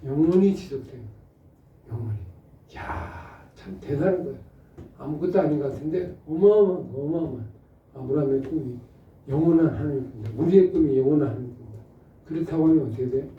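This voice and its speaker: A middle-aged male pastor giving an animated Bible study, asking rhetorical questions and acting out short exchanges. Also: a little high, quick pace. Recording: muffled roomy audio from a distant mic.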